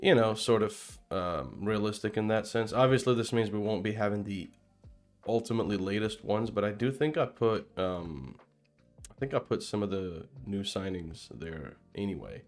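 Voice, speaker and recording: A young man with a fairly low voice gives relaxed gameplay commentary for his channel. He was raised in Denmark after coming from Palestine. His talk rambles, full of fillers and restarted sentences. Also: normal speed, faint music behind. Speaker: gaming YouTuber.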